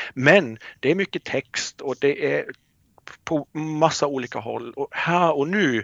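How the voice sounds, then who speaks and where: Speaking very slowly with a German accent, a man with a fairly high pitch shows vocal fry and ordinary pitch variation. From southern Germany. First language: German (speaking Swedish). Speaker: hospital physician. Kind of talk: interview. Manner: halting.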